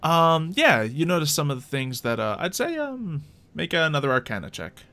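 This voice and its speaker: A man's voice: on the high side, sing-song, normal speed, pushed and bright. A man running a tabletop game, narrating casually and improvising as he goes in a conversational, hesitant way. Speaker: game master.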